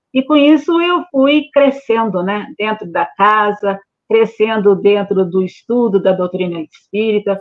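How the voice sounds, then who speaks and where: A woman with a plain, everyday voice speaks at a fairly slow pace and fairly high pitch, with lively intonation and hardly any pauses. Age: 60s. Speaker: spiritist volunteer. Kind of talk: interview.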